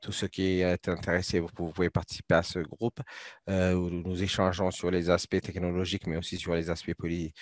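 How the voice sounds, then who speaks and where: A man working as a live interpreter at a panel discussion, speaking in a halting, hesitant way with repeated words. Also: low voice, no echo, studio quality. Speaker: simultaneous interpreter.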